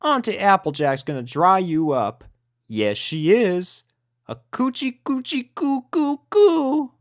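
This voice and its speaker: A man's voice: high-pitched, very animated, slow, dry recording, clean studio sound, pitched above the performer's own voice, heavily acted. A man voicing a kindly, motherly country farm pony mare with a folksy Southern drawl. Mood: cooing. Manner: folksy, drawling, coos baby talk.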